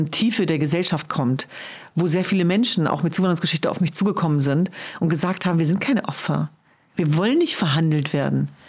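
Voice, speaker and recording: On a very clean recording with a silent background, a woman with a fairly low pitch and a somewhat breathy sound speaks at a moderate pace with ordinary pitch variation. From Germany. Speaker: human rights activist and journalist. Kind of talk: interview conversation.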